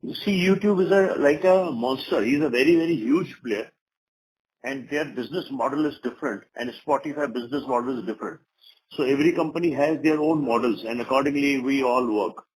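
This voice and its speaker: A male company executive with an Indian accent fields investor questions spontaneously. He speaks quickly and repeats words to press his point. The conference call has faint noise behind him. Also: mid-range voice, a little mellow. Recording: noisy conference phone call.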